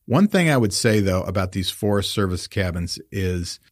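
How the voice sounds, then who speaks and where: A man's voice: deep voice, animated, normal speed, no echo, clean studio sound. A man co-hosting a podcast, chatting casually with a wry, teasing humor. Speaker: podcast co-host. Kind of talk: casual chat.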